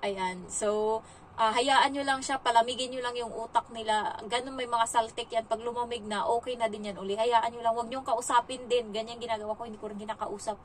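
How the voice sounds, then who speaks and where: A woman's voice: on the high side, recorded from a distance, slight background noise, rough recording. A young woman from the Philippines, a domestic helper, chatting casually in a vlog and retelling her day with lots of fillers.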